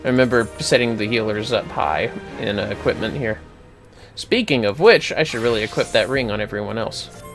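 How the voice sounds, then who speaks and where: Livestreamer, casual and salty, mid-range lively voice, mutters while playing, music underneath. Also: mid-range voice, brisk. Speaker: livestreamer playing an online fantasy game. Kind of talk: casual gameplay commentary. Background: game music.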